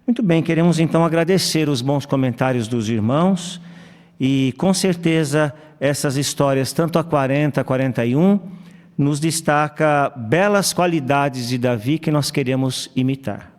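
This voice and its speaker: A man leading a congregation Bible study who speaks hesitantly, with fillers and pauses. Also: on the high side, darkish tone. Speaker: study conductor. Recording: hall reverb.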